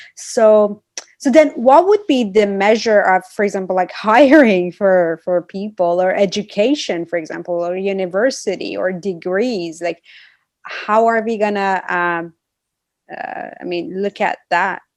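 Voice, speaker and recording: With an Iranian accent, a woman speaks at a fairly slow pace and medium pitch, her pitch varying in an ordinary way. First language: Farsi. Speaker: interviewer. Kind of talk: interview.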